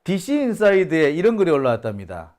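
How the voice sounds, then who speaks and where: A man's voice: fairly high pitch, wildly swooping pitch, fast talker, darkish tone. A man hosting a solo news commentary, indignant and scoffing, sighing and exclaiming as he reads out rumors. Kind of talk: solo talk-show commentary.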